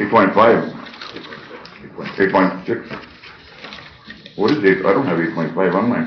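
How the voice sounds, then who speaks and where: Noticeable background noise and audible room echo surround a man with a fairly low voice. He leaves long, frequent pauses, and his pitch varies in an ordinary way. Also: moderate pace. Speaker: mayor chairing council meeting. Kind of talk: formal meeting chairing.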